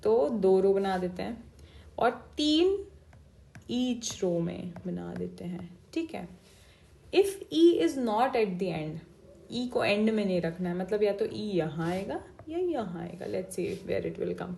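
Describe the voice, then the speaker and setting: A woman's voice: mid-range voice, expressive, slow, vocal fry, mellow. A woman teaching an exam-prep reasoning class, explaining each step and mixing Hindi and English. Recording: echoey room.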